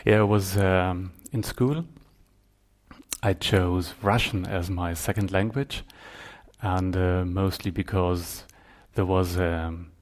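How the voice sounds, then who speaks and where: A middle-aged man with a German accent, a podcast guest answering questions thoughtfully and hesitantly, with many pauses and ums. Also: low voice, steady tone. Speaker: guest photographer. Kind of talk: podcast interview.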